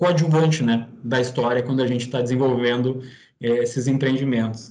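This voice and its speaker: Somewhat breathy, a man speaks at a medium pitch with ordinary pitch variation. Audible room echo is present. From Rio Grande do Sul coast, southern Brazil. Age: 30s. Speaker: interior designer. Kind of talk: interview.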